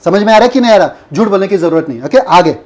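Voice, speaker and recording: A man's voice: sits high, lively intonation, fast talker, a little mellow. A man preaching a Bible lesson who keeps asking his listeners questions and repeating their answers. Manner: mocking role-play of a foolish person. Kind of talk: Bible teaching sermon.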